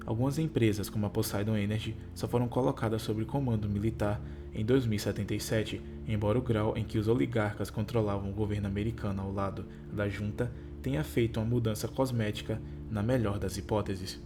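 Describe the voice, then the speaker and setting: A tongue-tied man narrates for online viewers in Brazilian Portuguese, struggling to articulate consonants like R, S, T and L. His voice is lowish with fairly even intonation, and he talks fairly quickly with hardly any pauses. This YouTube narrator delivers scripted lines and a casual sign-off, with music in the background.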